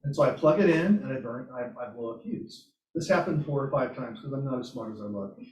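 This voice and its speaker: Recorded from a distance in an echoey meeting room, this brisk man with a medium-pitched, darkish voice sounds muffled. He's presenting at a hybrid robotics club meetup, sharing informal, anecdotal stories about his projects.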